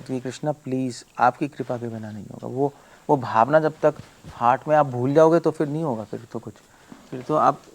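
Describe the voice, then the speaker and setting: This is a man delivering a devotional lecture as a monk. His voice sits at an everyday middle pitch. He drives his points home emphatically, asks his listeners rhetorical questions and slips English words into his speech. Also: creaky.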